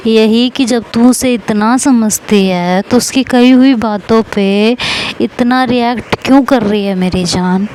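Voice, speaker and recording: A woman's voice: fairly high pitch, takes it slowly, a little mellow, a little hiss or hum, poor audio. A woman voicing a young woman who consoles her best friend with coaxing affection. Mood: consoling. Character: young woman friend, teasing then tender, confesses love.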